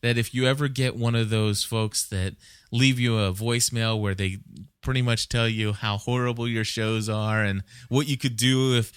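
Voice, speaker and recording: A man's voice: mid-range voice, steady tone, moderate pace, clear, resonant tone, no echo, studio quality. A man hosting a podcast, rambling casually and conversationally as he thinks aloud and gives advice. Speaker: podcast host.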